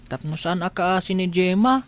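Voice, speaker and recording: A woman's voice: fairly low pitch, animated, normal speed, lightly acted. A woman playing a young blind daughter, worried and hopeful about her sight. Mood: anxious. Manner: worried, pleading. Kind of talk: Ilocano family drama acting.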